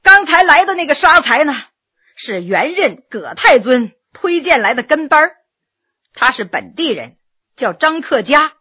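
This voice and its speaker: A woman's voice: sits high, big pitch swings, measured pace, bright, forceful tone, heavily acted. A woman voicing a humble, nervous male county magistrate who sighs and stammers as he pleads, in a spoken storytelling reading. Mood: confessing.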